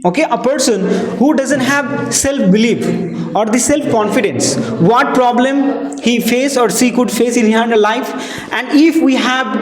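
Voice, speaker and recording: A man with a South Asian accent teaching public speaking, delivering phrases emphatically and deliberately for a student to repeat. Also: very high-pitched. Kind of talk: spoken English class coaching, modelling phrases for a student to repeat. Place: indoor classroom. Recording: echoey classroom.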